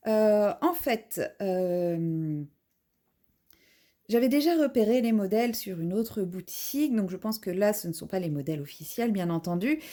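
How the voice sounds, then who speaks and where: At home, a woman who makes craft videos unpacks a haul, describing every item in turn in a chatty, relaxed way. She speaks in a somewhat high, soft, mellow voice.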